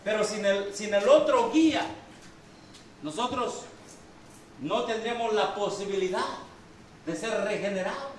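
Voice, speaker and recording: Guy preaching a sermon, asks the crowd questions, high voice, mic far off, lots of hall echo. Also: unhurried, long pauses, a little hiss or hum. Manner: quizzes the congregation with questions. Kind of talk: sermon with Bible reading. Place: church hall.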